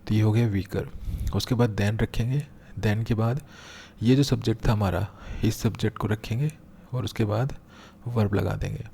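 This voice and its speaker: A man teaches a grammar lesson in a low, mellow voice. He explains patiently, repeating each step, and slows right down when he reads an example sentence aloud. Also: gravelly, husky. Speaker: English teacher.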